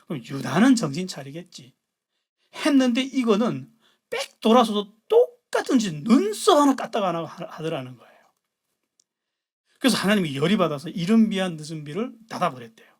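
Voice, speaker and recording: A pastor giving a sermon, retelling scripture in a blunt, colloquial way, jumping between loud outbursts and hushed asides. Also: mid-range voice, sing-song, fairly quick, slightly rough.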